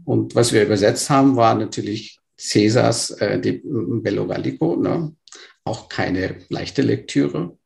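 Brief: gravel-voiced man in his fifties, born in Burma, interview guest, halting and thoughtful. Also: on the low side, a little mellow. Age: 50s. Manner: hesitant, many fillers and restarts. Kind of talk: conversational interview storytelling.

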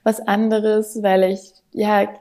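A woman's voice: mid-range voice, little pitch movement, slow, dark tone. A woman in her twenties, a content creator, chatting casually and rambling as a podcast guest on a call. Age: 20s. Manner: chatty, rambling with many fillers. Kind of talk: casual interview talk. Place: remote, on a call from home city.

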